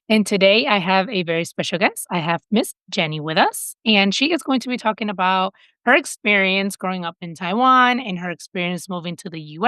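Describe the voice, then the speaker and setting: Smooth-voiced upbeat woman podcast host. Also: mid-range voice, fairly bright tone, dry recording. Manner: upbeat and effusive, repeats thanks. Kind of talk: podcast interview and sponsor announcement.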